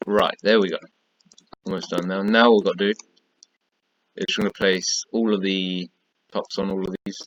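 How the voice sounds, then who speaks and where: A man's voice: low voice, little pitch movement, normal speed, long pauses, dull audio. A man with a tired, fading voice, casually talking through a block-building tutorial while he works, counting and pointing things out over and over. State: tired, losing his voice. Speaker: gaming tutorial creator.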